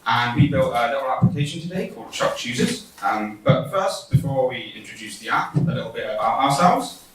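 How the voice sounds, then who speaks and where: A man's voice: medium pitch, a little fast, slight background noise. Man presenting in an echoey hall. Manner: relaxed, chatty, laughs at his own demo. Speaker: bootcamp student presenter. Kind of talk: demo presentation. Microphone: distant from the mic. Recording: echoey hall audio from far off.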